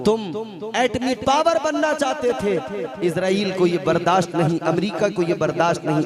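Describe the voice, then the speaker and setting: A man with a high voice delivers a fiery religious sermon, hammering home repeated lines and building them into shouts. He preaches at a live gathering, and a loud crowd can be heard throughout. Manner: oratorical, repeats phrases and rises to shouts. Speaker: Islamic preacher. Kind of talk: impassioned Muharram sermon.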